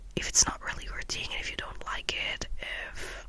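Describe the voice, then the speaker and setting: A woman whispers at a moderate pace amid noticeable background noise and audible room echo. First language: not English. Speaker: ASMR youtuber. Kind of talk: whispered ASMR ramble. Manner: whispering; rambling with fillers.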